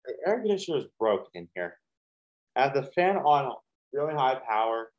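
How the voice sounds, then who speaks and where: A young man hosts a reaction video from a small, hot studio where a fan is running, rambling casually with lots of fillers and restarts. His mid-range voice swings widely in pitch and moves a little fast, and the recording has a dull lo-fi sound.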